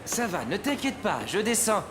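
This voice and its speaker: Patient, lively cartoon dad. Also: male voice, high-pitched, moderate pace, over music. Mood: reassuring. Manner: warm, reassuring, chuckling. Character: patient, good-humored young dad of a small boy. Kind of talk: children's cartoon voice acting.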